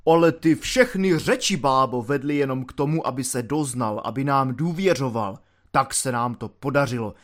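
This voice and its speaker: A man voicing a pompous, stern gendarme sergeant who gives orders solemnly and loudly. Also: mid-range voice, close to an everyday voice. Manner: solemn, bossy, barking orders.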